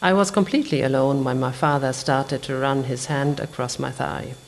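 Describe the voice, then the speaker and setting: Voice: medium pitch, steady tone, moderate pace, slight background noise. A reader at a live literary event, reading prose aloud from a novel in English.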